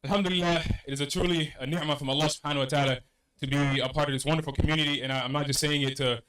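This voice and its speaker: A man from Senegal speaks quickly in a somewhat high voice. He addresses a mosque congregation as youth director, sounding earnest and motivational, and repeats his key phrases for emphasis. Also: steady tone, a bit bright, slight background noise, poor audio. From Senegal, West Africa.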